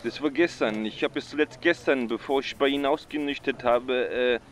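A man's voice: mid-range voice, normal speed, close to an everyday voice. An actor playing a clueless male caller reporting a stolen bike, hesitant and full of filler sounds. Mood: rambling.

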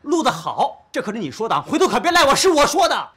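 An actor playing a middle-aged husband in a TV drama, sarcastic and mocking. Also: male voice, very high voice, huge pitch swings, quick pace, bright, forceful tone, exaggerated voice. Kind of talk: TV drama acting.

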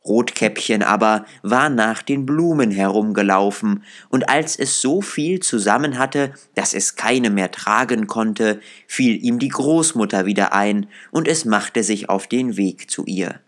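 A man's voice: on the low side, measured pace, few pauses. A man reading a fairy tale aloud as a storyteller, in scripted narration.

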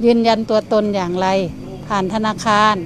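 A woman's voice: medium pitch, fairly even intonation, moderate pace, background noise. An older woman in a street interview outdoors in a garden yard, asking earnest questions one after another.

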